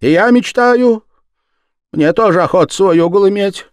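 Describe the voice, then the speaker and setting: A man's voice: high voice, animated, moderate pace, clear, resonant tone, no room sound, clean studio sound, pitched above the performer's own voice. A man doing a wistful old peasant woman. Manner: pleading, wistful. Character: plaintive old woman, hopeful, dreaming.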